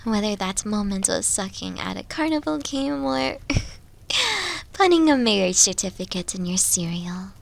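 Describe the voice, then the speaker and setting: Woman playing a slow, tender, obsessive fox-spirit wife. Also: mid-range voice, big pitch swings, vocal fry. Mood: playful, fond. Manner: tender, fawning, slow, often dropping into whispers. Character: doting, obsessive yandere fox-spirit wife lulling husband to sleep. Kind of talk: intimate roleplay ASMR.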